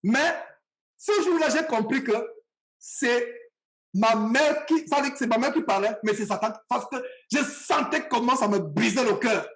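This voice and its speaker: A man's voice: very high voice, normal speed, a bit bright. A man from Cameroon, preaching a sermon and speaking straight to his listeners with passion and repetition.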